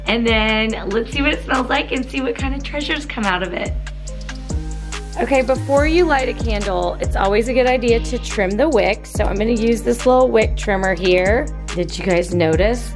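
Upbeat middle-aged woman, bright higher voice, chatty co-host on a home vlog, music underneath. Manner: bubbly, upbeat, laughs often. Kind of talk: casual chat to camera. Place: indoor home studio set.

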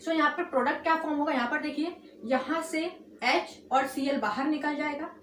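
A woman's voice: sits high, fairly bright tone, slight background noise. A woman teaching a chemistry lesson at a board, mixing English and Hindi, checking in with "okay" after each step, drawing out key terms and hurrying the rest. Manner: mixes English and Hindi, repeats "ठीक है" and "alright" as check-ins; stretches key terms slowly, rushes the linking phrases. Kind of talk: whiteboard lesson. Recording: echoey room, far from mic.

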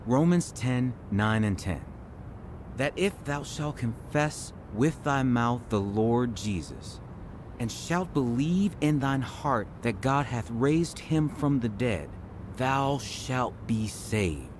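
An actor playing a compassionate, patient Christian friend, exhorting earnestly in a radio drama. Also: male voice, medium pitch, animated, slow, noisy background. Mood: earnest, consoling. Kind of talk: radio drama acting, reciting scripture.

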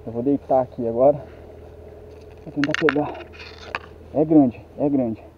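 A young man with a Brazilian Portuguese accent, out of breath, talking excitedly to viewers as he lands a fish on a riverbank. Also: mid-range voice, unhurried, muffled recording, noisy background. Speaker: fishing vlogger. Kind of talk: excited outdoor fishing commentary. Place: outdoors on a riverbank. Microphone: handheld camera mic.

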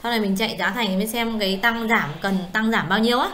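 Woman, 30s, brisk fast-paced accounting tutor, slightly high voice, keeps checking understanding. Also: fairly even intonation, a bit bright, slight background noise. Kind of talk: one-on-one software tutoring session.

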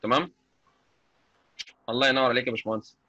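Egyptian man with an Egyptian Arabic accent, live software lecturer, husky, dry close sound, keeps asking if you follow. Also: medium pitch, steady tone, fast talker, no echo. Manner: chatty, checks understanding constantly. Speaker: software instructor. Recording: dull lo-fi mic.

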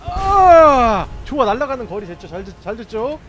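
A young man streaming a game, commenting live and swearing, with sudden yelled bursts. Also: sits high, expressive, quick pace. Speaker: gameplay streamer.

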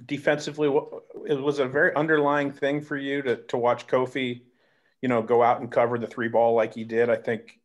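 A man's voice: medium pitch, muffled recording. A man, a reporter at a press conference, asking long, winding questions.

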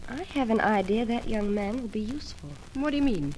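Actress playing scheming radio soap woman, high voice, noisy old recording, 1940s drama manner. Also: brisk, darkish tone, natural voice. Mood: scheming, musing.

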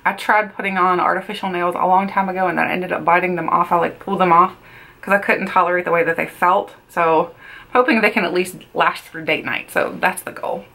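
Chatty woman vlogger, slightly low voice. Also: steady tone, brisk, vocal fry, bright, forceful tone, rough recording. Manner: chatty, repeats words for emphasis. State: feels she is losing her voice. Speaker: beauty vlogger. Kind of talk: casual get-ready-with-me chat. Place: small bedroom makeup setup, indoors.

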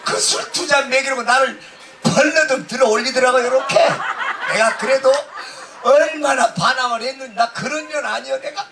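A man doing loud, brash stage comedy outdoors, heckling the crowd through a handheld mic. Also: extremely high pitch, normal speed, vocal fry. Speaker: pumba street performer. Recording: distant outdoor PA with noise.

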